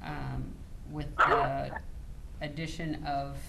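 A woman council member making a motion and explaining a project in a measured, businesslike way at a desk microphone. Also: a bass voice, little pitch movement, vocal fry, very noisy. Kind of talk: formal motion, then discussion. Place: council chamber dais.

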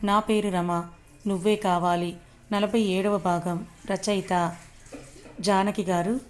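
A woman narrating a serial story in a steady, even reading voice. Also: mid-range voice, slow pace.

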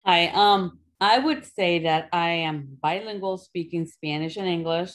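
Low-voiced woman answering on a call. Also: a little slow. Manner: earnest, hesitant with fillers. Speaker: participant. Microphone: video call.

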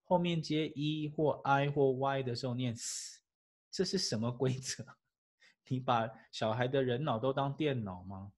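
A man, an English teacher giving a lively classroom lecture full of rhetorical questions and chuckles. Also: mid-range voice, a little slow.

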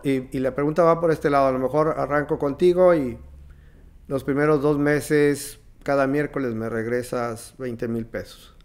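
A man's voice: mid-range voice, fairly even intonation, normal speed, clear, resonant tone. A man in his fifties with a northern Mexican accent, hosting a business podcast and asking long hypothetical questions. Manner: asks long hypothetical questions, short backchannels. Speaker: podcast host. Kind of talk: business interview. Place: office meeting room. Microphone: studio mic on desk stand.

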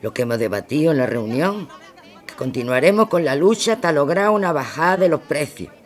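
A woman's voice: sits low, expressive, fairly quick, a faint crowd. A woman playing a firm, determined 1910s protest leader in an audio drama. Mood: resolute. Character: resolute woman leading a 1918 workers' protest.

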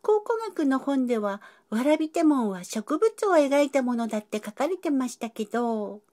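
A woman's voice: high-pitched, big pitch swings, moderate pace, darkish tone. A woman voicing a curious young cat who eagerly asks polite questions. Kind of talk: educational dialogue.

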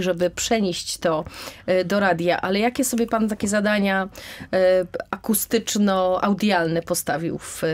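Measured female radio host, medium pitch. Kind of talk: conversational radio interview. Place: small radio studio. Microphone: close broadcast microphone, headset on.

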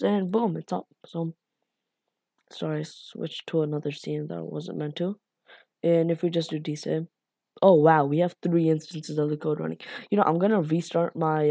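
A woman walks through a coding tutorial in a low, mellow voice, rambling with fillers and apologizing for her slips. Her voice sounds a little raspy from the late hour. The recording is close and dry. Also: dry recording. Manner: rambling, self-deprecating, lots of fillers and apologies. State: a bit raspy from being up late.

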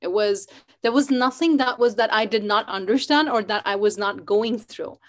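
A woman's voice: mid-range voice, normal speed. A woman in her thirties from Pakistan, an Urdu speaker, hosting a live interview over a video call from home with many fillers. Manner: warm, earnest, many fillers. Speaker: host. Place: home room, indoors.

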